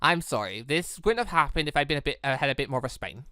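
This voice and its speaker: Visual novel character, read by a game host: young man, conciliatory, hesitant, no backbone, bright tone. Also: mid-range voice, expressive, fast talker, no room sound, studio quality, pitched below the performer's own voice. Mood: apologetic. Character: apologetic, mild young man lacking backbone.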